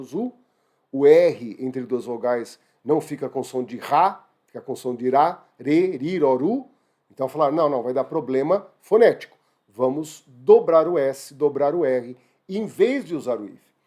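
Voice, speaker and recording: A man with a Brazilian Portuguese accent teaching an online exam-prep grammar lesson in a lively, exclamatory way. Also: on the high side. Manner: lively, exclamatory, addresses students as "gente".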